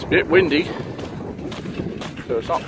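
A man's voice in a dry sound with no echo, set against noticeable background noise. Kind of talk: casual vlog narration. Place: open country. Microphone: phone near.

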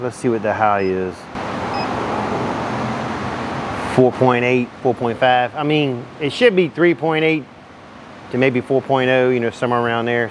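Noticeable background noise sits behind a man who speaks at a fairly slow pace with long, frequent pauses. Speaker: auto repair channel host. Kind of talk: tutorial. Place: garage. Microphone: lapel.

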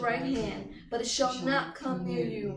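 Noticeable background noise sits behind a woman speaking at a fairly high pitch. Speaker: church service host. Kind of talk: church welcome and prayer. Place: church.

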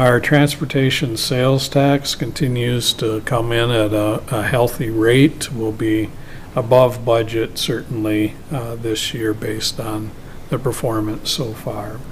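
A man talks at a fairly slow pace with fairly even intonation over light background noise. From US Midwest. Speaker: county administrator. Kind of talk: public meeting report. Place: meeting room. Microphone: podium.

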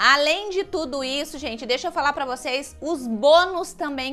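A raised, projected voice carries over faint music in the background. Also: woman. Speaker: baking course instructor. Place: kitchen. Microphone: lapel.

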